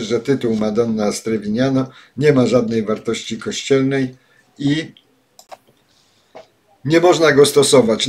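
An older man giving spoken commentary and reading passages aloud, pausing often with filler sounds, recorded at a desk webcam in a home study. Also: medium pitch, darkish tone, slightly rough. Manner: halting, many filler sounds. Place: home study with bookshelves, indoors.

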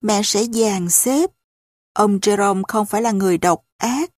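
Woman as a kind foster mother, soothing, slow and gentle, dry close sound. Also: medium pitch, dry recording, natural voice. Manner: soothing, reassuring.

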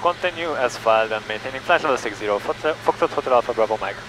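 A young man talks through his flight from the cockpit of a small plane, calm and methodical. His headset mic picks up a steady engine drone behind him. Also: mid-range voice, quick pace, slight background noise, low-quality recording. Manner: calm, methodical, reads back clearances. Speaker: private pilot. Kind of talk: cockpit narration and radio calls. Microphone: headset boom mic.

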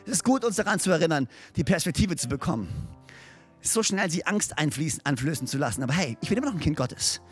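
A middle-aged man, preaching a sermon in an animated storytelling manner and often checking in with his listeners. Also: fairly high pitch, fast talker, faint music behind. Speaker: pastor.

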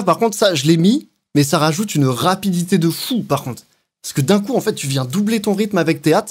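A man giving a relaxed, slangy walkthrough of how he built a beat, now and then mouthing sounds and rhythms. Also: fairly high pitch. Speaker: music producer. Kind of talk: casual beatmaking walkthrough. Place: home studio.

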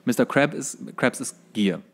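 A man co-hosting a podcast in casual conversation, often halting as he searches for words. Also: mid-range voice, animated, a bit bright. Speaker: podcast co-host. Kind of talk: casual podcast chat about cartoons.

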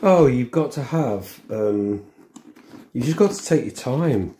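Mellow man over noticeable background noise. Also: medium pitch, lively intonation. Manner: halting, unscripted, thinking aloud while working. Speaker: vlogger demonstrating a helmet intercom fitting. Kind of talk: casual hands-on tutorial chat. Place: room at home, indoors.

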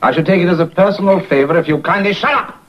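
A man's voice: sits high, quick pace. An actor playing a stern, middle-aged father who scolds in pompous, wordy phrases, in 1940s British film style. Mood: scolding. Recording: muffled 1940s film soundtrack.

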